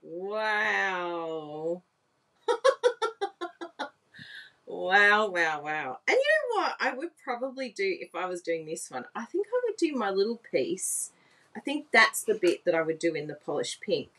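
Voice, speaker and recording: Seated at a desk in an indoor craft room, a woman talks through a live papercraft demo, laughing and exclaiming a lot and checking whether viewers agree. Her pitch swoops wildly around a mid-range voice, her pace is slow, and her tone sounds pushed and bright.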